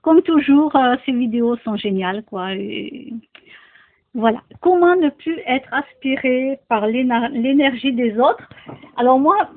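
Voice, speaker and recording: Slow-talking woman, thin phone-like sound. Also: a little high. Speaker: vlogger. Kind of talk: casual personal talk to viewers.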